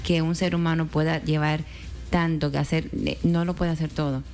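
A woman co-host speaks gently and affectionately as she gives advice in a slightly low voice. She often turns to others with a question. Faint music plays behind her. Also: steady tone, moderate pace. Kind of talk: casual faith talk.

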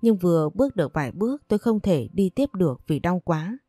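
A woman reads a first-person story aloud in a steady, earnest voice. Her tone is low and warm, the recording dry and close with soft music underneath. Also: a little fast, dry recording.

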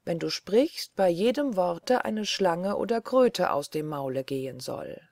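A woman reading an audiobook, voicing a calm, stately fairy who speaks without anger. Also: fairly low pitch, no room sound, studio quality. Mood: solemn. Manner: calm, measured, solemn.

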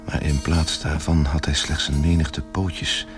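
A man narrating a literary radio play in a measured, grave manner with a gravelly, husky voice. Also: a bass voice, flat delivery, over music.

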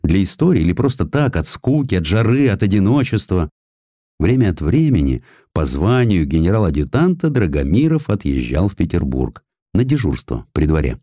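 A man reading a historical sketch as an expressive audiobook narrator, telling it dramatically with rhetorical turns. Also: low voice, normal speed, no room sound, clean studio sound. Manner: dramatic storytelling with rhetorical questions and exclamations.

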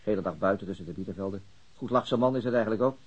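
An actor playing a weary middle-aged city detective, hesitant and understated, in a naturalistic radio drama. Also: male voice, lowish voice, very fast, slightly rough, lo-fi sound. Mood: musing, hesitant.

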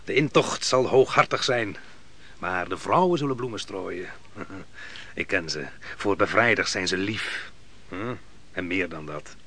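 An actor playing a proud, vengeful army commander in a radio play, with a boastful, commanding manner. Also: male voice, deep voice, animated, measured pace, pushed and bright, full character voice. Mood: confident.

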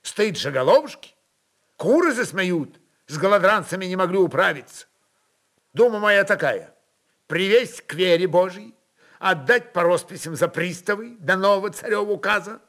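A man's voice: sits high, animated, normal speed, a bit bright, pitched above the performer's own voice. A man playing an indignant young prince, agitated and declamatory with youthful heat. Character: indignant, hot-headed young male prince.

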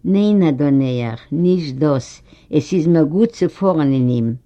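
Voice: mid-range voice, lively intonation, slow. A reader voicing a shy, eager young woman who has just arrived, speaking earnestly and politely with a slightly raised voice. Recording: dull lo-fi recording.

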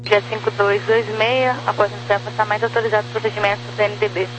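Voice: mid-range voice, little pitch movement, fast talker. An air traffic controller giving procedural instructions over a two-way aviation radio. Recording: noisy radio with mains hum.

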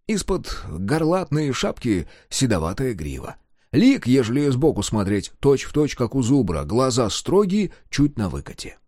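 Lively male audiobook narrator. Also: medium pitch, a little slow, dry recording, studio quality. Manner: lively storytelling, reads out footnotes. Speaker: audiobook reader.

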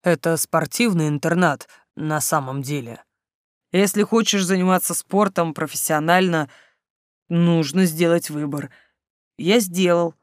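Reader putting on a self-assured sporty teen boy: calm, firm, a touch lower, dry. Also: measured pace, no room sound, lightly acted. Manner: calm, matter-of-fact.

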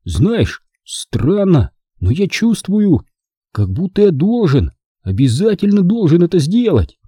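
A man's voice: sits high, wildly swooping pitch, unhurried, dark tone, husky, no echo, clean studio sound, pitched above the performer's own voice, heavily acted. Earnest boy hero, hesitant but serious, raised voice, a man doing him.

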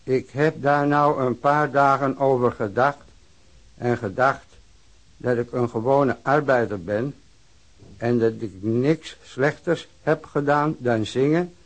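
An actor playing an aggrieved, down-and-out middle-aged labourer who drinks, telling his story in halting, plain words for a radio drama. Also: medium pitch, rough recording. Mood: aggrieved, plodding. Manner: halting, plain-spoken, simple repetitive phrasing. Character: aging down-and-out working-class drinker recounting police beating, aggrieved. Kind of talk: radio drama monologue, letter of complaint.

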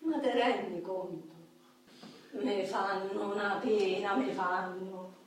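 A woman's voice: mid-range voice, fairly even intonation, takes it slowly, lightly acted. An actress playing a feisty disabled communist woman with a Roman accent, telling her story colloquially in a theatrical radio play. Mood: gossipy, indignant. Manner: vivid, colloquial storytelling, acting out quoted people. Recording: echoey hall, distant mic, clicks.

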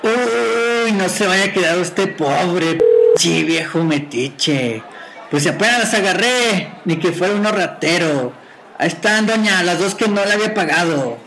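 Radio play role: brash, cheeky young Mexican troublemaker voiced by a man, curt slangy delivery, creaky, forceful edge. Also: high voice, expressive, unhurried, slight background noise, full character voice, poor audio. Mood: sarcastic. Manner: mocking, curt, colloquial. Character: brash, crooked, mouthy younger street guy, rude and cheeky.

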